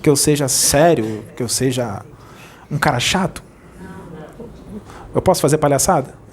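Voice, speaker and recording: A man with a Brazilian Portuguese accent, a spirit medium preaching informally in a playful, jokey way that rushes over his words. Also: medium pitch.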